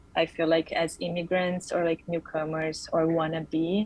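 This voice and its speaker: With a Brazilian accent, a woman speaks at a fairly low pitch and a fairly slow pace. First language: Portuguese. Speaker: recruiter. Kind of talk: interview. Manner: casual, many fillers.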